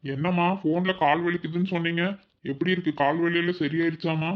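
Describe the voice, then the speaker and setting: A man's voice: on the high side, steady tone, fast talker, lo-fi sound, natural voice. A man voicing a timid whiny young husband. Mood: fretful. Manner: whiny, fretful. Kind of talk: cartoon voice acting.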